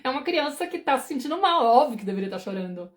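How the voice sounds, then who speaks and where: Woman in her forties, parenting mentor on a live stream; rapid, slightly high voice, chatty, acts out worried inner voices. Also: sing-song. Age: 40s. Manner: fast, conversational, often asks "entendeu?"; acts out anxious inner thoughts.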